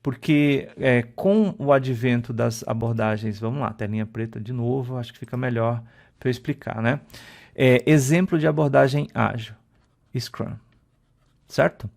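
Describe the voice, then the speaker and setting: A man teaches an exam-prep video lesson, talking through a slide in a chatty, informal way. His voice sits at a middling pitch with a gravelly, creaky edge. He keeps checking in with a quick tag question, and uses fillers along the way. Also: darkish tone. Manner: explains at a slide, often ends phrases with a checking "tá?"; conversational, with filler "é" and restarts.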